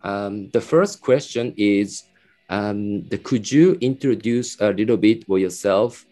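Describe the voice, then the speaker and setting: A man hosting an interview, asking questions in slow, simple phrasing and backchanneling often. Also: on the low side, warm tone, faint music behind. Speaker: interview host. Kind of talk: casual interview.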